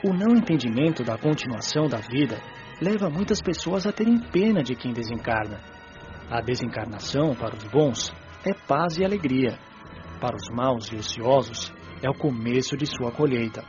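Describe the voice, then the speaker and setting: A man playing a calm, wise spirit guide in a radio drama, explaining things in a composed, didactic way. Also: mid-range voice, moderate pace, lo-fi sound, lightly acted. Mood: calm, instructive. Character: calm, wise male spirit mentor, kindly instructive. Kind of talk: scripted radio drama dialogue. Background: music.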